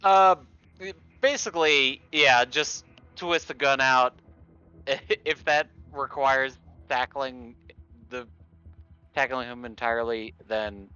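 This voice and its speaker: A man's voice: mid-range voice, slow, bright, forceful tone, clean tone, lo-fi sound. A man playing a tabletop roleplaying game, chatting casually in a wry, understated way.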